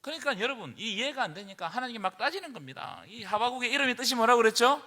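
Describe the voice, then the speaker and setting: A man, a pastor, leading a Bible study lecture in an emphatic manner that rises to forceful preaching, recorded in a church hall. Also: very high voice, big pitch swings, fast talker. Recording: long reverb of a church hall.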